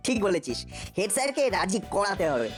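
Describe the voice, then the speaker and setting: A woman voicing a clever, excitable ten-year-old boy with an eager, plotting manner in a children's cartoon. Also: medium pitch, faint music behind, close to an everyday voice. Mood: eager, scheming. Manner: eager, exclamatory, quick to plot. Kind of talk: animated children's cartoon acting.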